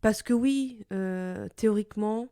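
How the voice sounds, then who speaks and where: A young woman from Portugal, with an Italian accent and Italian as her mother tongue, talks through her thoughts in a personal podcast. Her voice is soft and warm, with no room sound around it, and her delivery stays thoughtful and a little searching, full of small pauses and restarts. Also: mid-range voice, no echo, clean studio sound. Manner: thoughtful, searching for words, frequent hesitations. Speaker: podcast host. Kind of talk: reflective personal monologue.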